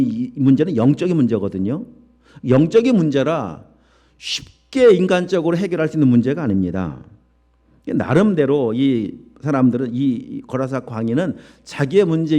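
A man's voice: on the high side, sing-song, fairly quick, warm tone. A male pastor preaching an emphatic sermon full of rhetorical questions to his church congregation.

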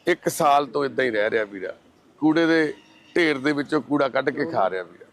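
A man's voice: medium pitch, lively intonation, brisk. A man from Punjab, a charity volunteer, speaking earnestly and devoutly outdoors beside a garbage heap during a rescue. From Punjab, India. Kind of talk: on-site appeal and conversation.

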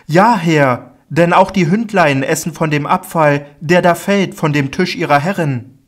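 A man voicing a desperate foreign mother who cries out, high and pleading, in a solemn Bible audiobook reading. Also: unhurried. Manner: high, crying out loud, pleading.

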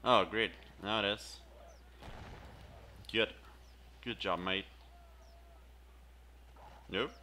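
Slow, bright-voiced man playing a game. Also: fairly low pitch, fairly even intonation, a little hiss or hum. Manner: muttering reactions, repeating in-game lines. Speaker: gameplay video host. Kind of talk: casual gameplay commentary.

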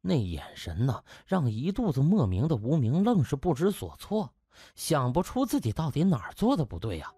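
A man's voice: on the high side, huge pitch swings, normal speed, mellow, husky, no echo. A man narrating a novel as an audiobook in a dramatic storytelling style.

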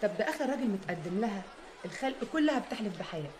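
A woman's voice: mid-range voice, big pitch swings, very fast, noisy background, close to an everyday voice. An actress as a scheming matchmaker woman. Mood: persuasive. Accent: Egyptian.

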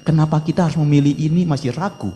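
A man's voice: fairly high pitch, fairly even intonation, quick pace. A male Buddhist monk giving a dharma talk, preaching with emphatic exhortations and Mandarin chant phrases mixed in. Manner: emphatic rising exhortations, trailing off softly. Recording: long reverb of a hall.

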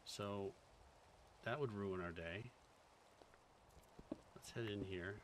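A man with a lowish voice and a faint Boston accent speaks slowly while streaming a game, casually thinking aloud and chatting with viewers. He's from the Boston area, and there's background noise in the recording.

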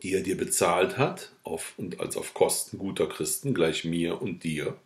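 Man reading a manservant, consoling, reasoning, low voice, echoey room. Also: lively intonation, unhurried. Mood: soothing. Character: plain-spoken male servant, calm and consoling. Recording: roomy echo.

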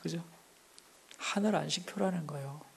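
A middle-aged male pastor preaching a Sunday sermon, asking the congregation questions and swinging between loud exclamations and hushed near-whispers. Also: on the high side, moderate pace, gravelly, slightly rough. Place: church sanctuary.

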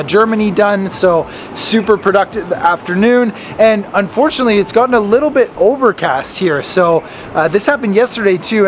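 A man's voice: high-pitched, slight background noise. A man in his thirties, a travel vlogger chatting upbeat to a camera held at arm's length outdoors, gesturing as he talks. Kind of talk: travel vlog chat and voice-over narration. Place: outdoors on a resort deck. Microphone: handheld camera at arm's length.

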